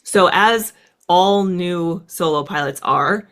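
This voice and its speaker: A woman in her thirties from the United States, a guest in an interview, telling stories in a quick, animated way with plenty of "like" fillers. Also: on the low side. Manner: fast, animated, lots of "like" fillers. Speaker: guest, former fighter pilot. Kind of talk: casual storytelling interview.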